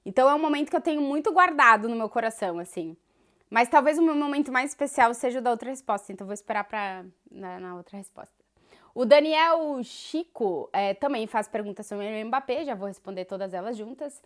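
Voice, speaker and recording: A woman's voice: a little high, lively intonation, a little fast, a bit bright. A woman in her thirties with a Gaúcho Brazilian accent, a sports journalist chatting casually as she answers viewer questions, dotting her talk with fillers. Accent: Gaúcho Brazilian Portuguese. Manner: chatty and thoughtful, many fillers like "né" and "assim". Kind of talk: casual Q&A vlog.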